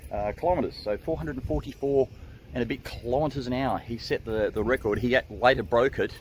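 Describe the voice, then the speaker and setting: A man with an Australian accent at a moderate pace, ordinary pitch variation, dry sound with no echo and light background noise. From Western Australia. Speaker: car hobby vlogger. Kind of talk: casual vlog. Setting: in a car. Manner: halting. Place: street. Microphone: phone near.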